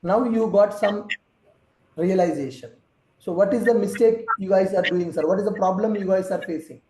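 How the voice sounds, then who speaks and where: A male trainer with a high voice teaches an online class. He explains things patiently, one step at a time. His tone is mellow, and the room around him echoes. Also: moderate pace.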